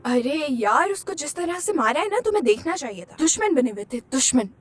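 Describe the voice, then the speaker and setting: A woman's voice: sits high, very animated, brisk, soft background music. A woman dubbing a chatty young woman who animatedly tells her friends about a fight. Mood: gossipy. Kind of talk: dubbed TV drama acting.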